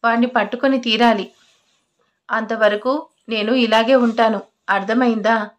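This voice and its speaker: A woman's voice: on the high side, fairly even intonation, measured pace, lightly acted. A woman voicing a stubborn, hot-tempered young husband in an audio love story, scolding and then apologizing. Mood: angry.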